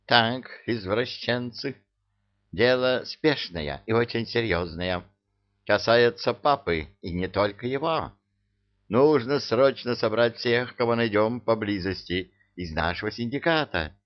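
A man voicing a grumpy, bossy old witch with a shrill, scolding voice, read as a storybook. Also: measured pace, natural voice. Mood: urgent. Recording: dull lo-fi recording.

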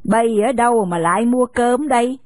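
A woman's voice: fairly high pitch, brisk, darkish tone, dry recording, natural voice. A woman voicing an old village shopkeeper woman who scolds but is kind. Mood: gruff, kindly.

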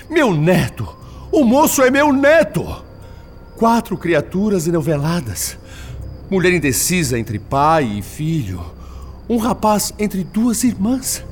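A man's voice: high voice, full character voice. An indignant old grandfather spirit. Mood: distressed. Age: older. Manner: agitated, exclamatory, bitter. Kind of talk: radio drama acting.

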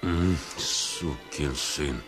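A man's voice: extremely low pitch, very slow, loud music behind the voice, full character voice. An actor playing an angry, bitter old peasant father in a Russian radio drama, scolding in a growl. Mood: bitter anger.

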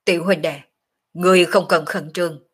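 A woman reading the lines of a mocking male swordsman in white robes from a martial arts story, in a brisk, offhand way. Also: on the low side, fairly even intonation, fairly bright tone, slightly rough. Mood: teasing.

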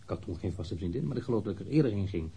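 A man's voice: sits low, lively intonation, very fast, creaky, dark tone, breathy edge, heavily acted. An actor playing a guarded, reluctant engineer in his thirties being questioned in a radio drama, answering curtly and somewhat irritably. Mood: guarded, matter-of-fact. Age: 30s.

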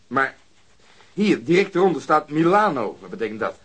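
Gruff, husky, sceptical police detective. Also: male voice, on the high side, very animated, moderate pace, a bit bright, exaggerated voice. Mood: gruff, explaining. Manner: gruff, sardonic, swearing. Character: grumbling, sceptical, blunt male police detective. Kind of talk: Dutch radio drama acting.

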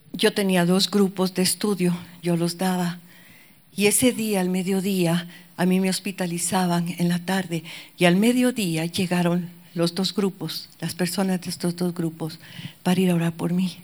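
A woman preaching a sermon with passion, dropping to near-whispers and rising to shouted cries. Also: lowish voice. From Guatemala.

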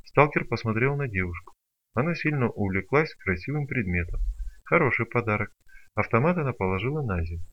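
A man narrating an audiobook in an expressive storytelling manner. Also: medium pitch, a little fast. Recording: dull lo-fi recording.

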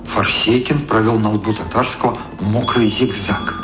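A man's voice: fairly low pitch, fairly even intonation, unhurried. A man narrating a radio drama from a literary script. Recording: roomy echo with prominent music.

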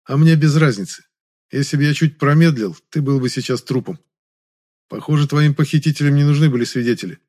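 A man's voice: mid-range voice, a little fast, a little mellow, voice pushed up, natural voice. A man reading an audiobook, voicing a cool, indifferent teenage boy who talks tersely and matter-of-factly.

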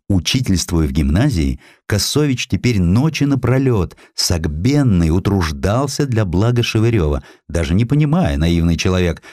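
A man reading a literary historical narrative aloud in an expressive, scripted storytelling style. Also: deep voice, dry recording, clean studio sound. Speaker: audiobook narrator. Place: dry studio.

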